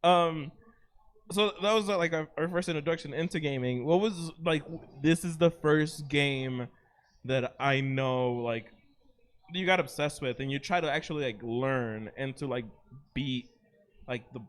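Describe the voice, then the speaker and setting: A man's voice: a little high, a little slow. A man in his thirties co-hosting a podcast, chatting easily and laughing often. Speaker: podcast co-host. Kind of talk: casual chat.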